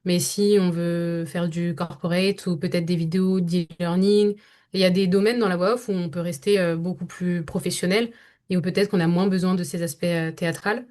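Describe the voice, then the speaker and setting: Low-voiced French woman, hesitant interview talk. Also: fairly even intonation, fairly quick, a little mellow. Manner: thoughtful, many hesitations and restarts. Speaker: voice-over actress, guest. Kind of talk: podcast interview conversation.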